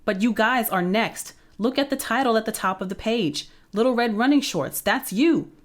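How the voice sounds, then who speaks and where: A woman's voice: fairly high pitch, animated, normal speed, pitched above the performer's own voice, close to an everyday voice. Jack, a woman doing a brash boy narrator. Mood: eager. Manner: brash, eager, salesy.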